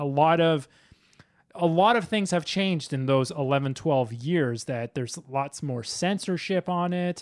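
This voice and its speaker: At a fairly slow pace, a man with a fairly high pitch and ordinary pitch variation speaks in an unremarkable speaking voice. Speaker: podcast host. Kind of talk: casual chat.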